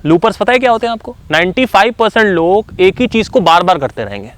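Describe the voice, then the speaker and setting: A man gives a motivational talk in a slightly higher voice. He keeps it loose and conversational, with plenty of fillers. He drops English phrases into his sentences as he goes. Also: expressive, fast, fairly bright tone. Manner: conversational, fillers like "you know"; switches between Hindi and English phrases. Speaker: motivational speaker.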